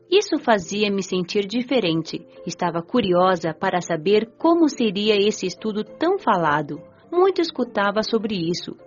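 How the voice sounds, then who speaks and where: Give the voice of a gentle, grateful young Brazilian woman spirit, played by an actress, narrating an audiobook drama. Her pitch is mid-range. The recording is slightly dull, with faint music beneath.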